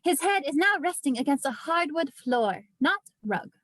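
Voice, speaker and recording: A woman reading screenplay stage directions as scripted narration, with vivid, deliberate storytelling. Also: sits high, sing-song, a bit bright, no room sound.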